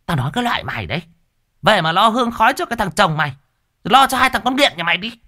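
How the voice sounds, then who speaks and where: A man's voice: sits high, very animated, fast, sharp tone, voice pushed up, heavily acted. A man voicing a vicious older village wife who shrieks and curses coarsely. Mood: abusive. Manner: shrieking, wailing, coarse cursing.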